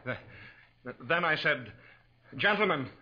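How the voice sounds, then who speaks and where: A man's voice: fairly high pitch, expressive, measured pace. A man acting a nervous, deferential club steward in a 1940s radio drama, formal and stammering. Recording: dull, noisy vintage radio recording.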